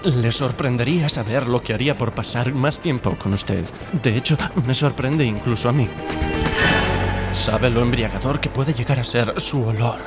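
A man's voice: medium pitch, natural voice. A man putting on a brooding, pompous Christian Grey. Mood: brooding, seductive. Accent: Spain. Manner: formal, pompous, dramatic pauses. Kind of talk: parody of film dubbing. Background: music.

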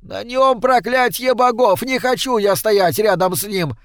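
A man's voice: medium pitch, animated, measured pace, dry recording, studio quality, lightly acted. A man voicing a jumpy, superstitious young Viking who is wary of a stranger. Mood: panicked. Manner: wary, then shrieking.

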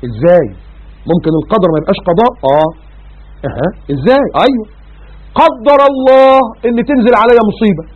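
A man with an Egyptian Arabic accent giving a colloquial religious lesson, animated and full of rhetorical questions. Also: high voice, quick pace, long pauses, husky. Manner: animated, acts out everyday voices and rhetorical questions. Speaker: preacher. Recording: phone-like narrow audio.

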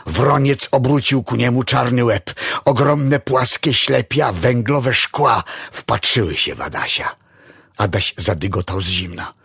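A man reading a story aloud in a dramatic, expressive style. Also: mid-range voice, unhurried, gravelly, husky, no room sound, studio quality. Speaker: narrator. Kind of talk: audiobook story narration.

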